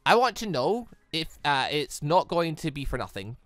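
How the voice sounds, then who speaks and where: A woman's voice: low voice, very animated, moderate pace, no echo, clean studio sound, soft background music. A woman voicing an earnest, guilt-ridden young warrior woman in a visual novel, solemn and hesitant. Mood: resolute.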